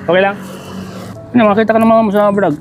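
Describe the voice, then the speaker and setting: A man's voice: high-pitched, little pitch movement, quick pace. A man vlogging outdoors on a sunny street, chatting in a kindly, encouraging way and coaxing with short repeated check-in questions. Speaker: vlogger handing out gifts. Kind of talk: casual on-the-street chat. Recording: background music under the voice.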